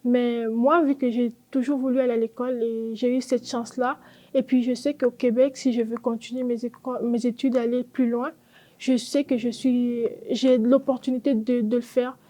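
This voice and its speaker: A woman's voice: a little high, level tone, normal speed, mellow, rough recording. An eighteen-year-old woman from Congo giving an earnest, grateful documentary testimony. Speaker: interviewee.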